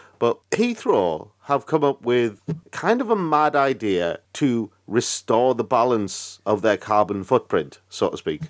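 In a northern English accent, a man speaks at a fairly slow pace with hardly any pauses, on a very clean recording with a silent background and a dry, close sound with no echo. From northern England. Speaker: podcast host. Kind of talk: casual chat.

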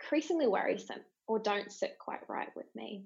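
A woman with a New Zealand accent and a fairly high pitch, at a moderate pace. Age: young. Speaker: design researcher. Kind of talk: conference talk.

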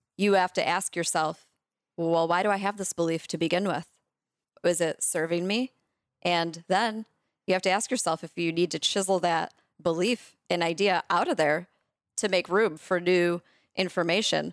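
At a moderate pace broken by long, frequent pauses, a woman speaks with fairly even intonation and fairly low pitch in a dry, close sound with no echo. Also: very clean recording, silent background. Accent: American. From New York. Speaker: podcast host, health specialist. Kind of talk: casual interview.

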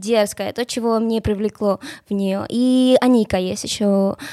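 Recorded very cleanly with a silent background and a dry, close sound with no echo, a woman speaks at a moderate pace with ordinary pitch variation. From Bolivia. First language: Spanish (speaking Russian). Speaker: singer. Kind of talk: casual chat.

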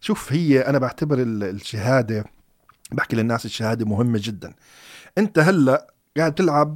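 Very clean recording with a silent background of a man at a fairly slow pace, his pitch swinging very widely. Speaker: social media expert and author. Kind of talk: casual interview chat.

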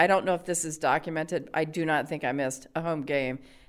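A woman with an American accent and an unremarkable speaking voice, fairly quick with ordinary pitch variation, in a very clean recording with a silent background. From US South, Virginia. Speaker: college president. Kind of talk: interview.

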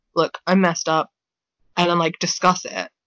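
Against a quiet background with a dry, close sound with no echo, a woman with a British accent speaks fairly quickly at a fairly low pitch. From Britain. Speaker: horror podcast co-host. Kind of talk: casual chat.

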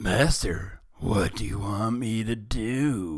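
In a put-on character voice, a man speaks very slowly at a fairly low pitch with a guttural sound. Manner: evil, sinister.

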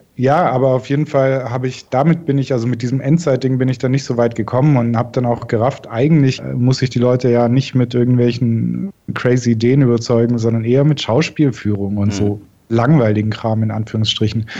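Noticeable background noise behind a man at medium pitch and a fairly quick pace. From Stuttgart, Germany. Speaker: filmmaker and festival organiser. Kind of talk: casual chat.

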